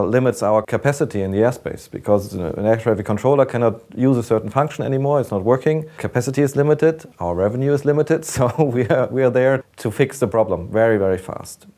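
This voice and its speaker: A man's voice: fairly low pitch, darkish tone. A man with a German accent giving explanatory answers as an interview guest. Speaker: data center manager, interview guest.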